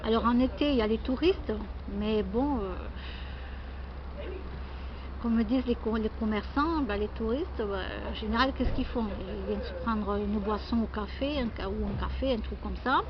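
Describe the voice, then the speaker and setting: Higher-voiced woman in casual chat, muffled noisy recording. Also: moderate pace. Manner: exclamatory, self-deprecating, repeats herself. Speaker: vlogger. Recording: muffled lo-fi sound, loud background noise.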